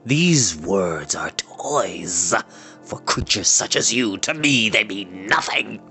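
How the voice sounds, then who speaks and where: A man voicing a cold, cruel, arrogant wizard in a storybook, with a hissing, whispery voice and a slow, menacing, contemptuous manner. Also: lowish voice, animated, bright, forceful tone, soft background music, exaggerated voice. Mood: cold contempt. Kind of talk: storybook character voice.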